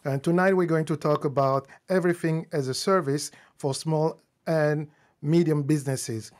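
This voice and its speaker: A man's voice: fairly high pitch, steady tone, moderate pace, a little mellow. Guy hosting a live tech stream, french is his first language, talks off the cuff, restarts a lot. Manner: unscripted, restarts and fillers, addresses viewers. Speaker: host.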